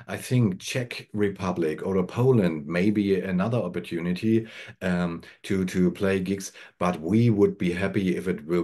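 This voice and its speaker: German man in his fifties on a webcam, lowish voice, halting English, many restarts. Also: dark tone. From Eastern Germany. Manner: halting, searching for words, frequent restarts; gestures with hands while talking. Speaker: band member, guest. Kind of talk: casual video-call interview. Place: home room with bookshelves. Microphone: video call webcam.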